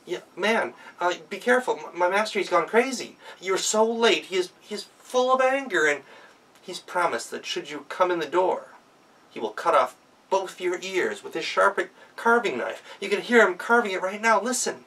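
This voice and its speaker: A man's voice: high-pitched, big pitch swings, normal speed, bright, forceful tone, distant mic, voice pushed up, full character voice, poor audio. A man voicing a sly, food-loving woman cook from a folktale, chatty and self-indulgent, with a hesitant, conspiratorial way of talking. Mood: feigned urgent alarm.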